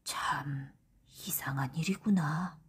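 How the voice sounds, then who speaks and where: A woman's voice: low-pitched, takes it slowly, breathy edge, voice pushed down, heavily acted. A woman voicing a humble, curious male salt peddler in a folktale storybook, polite and earnest in manner.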